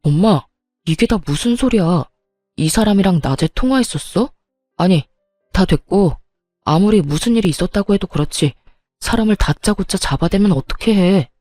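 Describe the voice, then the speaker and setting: A woman's voice: medium pitch, animated, moderate pace, warm tone, no echo, soft background music, natural voice. A woman voicing a young husband who reproaches his mother in an agitated way, in a storytelling reading. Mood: upset.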